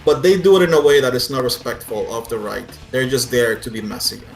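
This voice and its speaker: A man's voice: medium pitch, animated, brisk. A man running a tabletop role-playing game as game master, narrating in a casual, sweary way. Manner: casual, profane. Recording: roomy echo, faint music behind.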